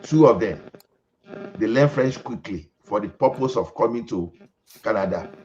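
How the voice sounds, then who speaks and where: A man's voice: fairly low pitch, lively intonation, normal speed, a little mellow. Nigerian guy hosting a chat, keeps stuttering into his sentences, muffled sound. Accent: Nigerian English. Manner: stammering, repeats words as he starts. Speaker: host. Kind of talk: casual group chat. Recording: dull lo-fi audio.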